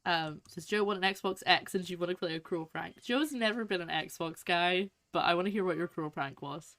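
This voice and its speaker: Female game streamer, slightly low voice, casual and chatty, playful asides, dry close sound. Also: normal speed, a bit bright, no echo. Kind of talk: casual gameplay commentary.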